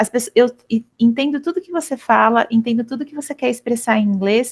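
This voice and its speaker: An interior São Paulo accent at a fairly quick pace, with ordinary pitch variation and a dry, close sound with no echo. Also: woman. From Brazil, interior of São Paulo state. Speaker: podcast host, educator. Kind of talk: interview conversation.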